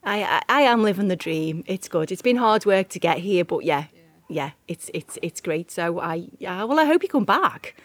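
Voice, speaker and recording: A woman, a yoga teacher talking in an interview and firing off lively rhetorical questions. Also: on the low side, normal speed. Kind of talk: casual interview.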